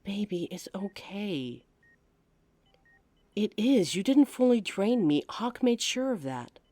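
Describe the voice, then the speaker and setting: A woman playing a devoted, protective werewolf lover in an audio drama, anxious, tender and halting. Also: mid-range voice, big pitch swings, dark tone, dry recording. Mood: reassuring.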